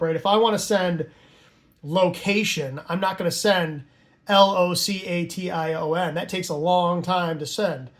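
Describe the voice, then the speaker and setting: A man with a noticeably high voice teaches in an informal tutorial style. He talks conversationally, like a hobbyist explaining things to newcomers, and often adds short tags to make sure the listener is following. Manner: conversational, checks understanding with tags like "right?" and "okay?". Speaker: amateur radio hobbyist teaching Morse code.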